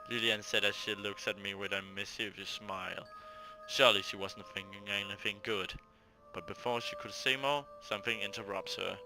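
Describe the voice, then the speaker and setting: A man with a fairly low voice narrates a visual novel as a let's play host. He mixes story reading with offhand casual remarks, and music plays clearly behind him. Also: rough recording.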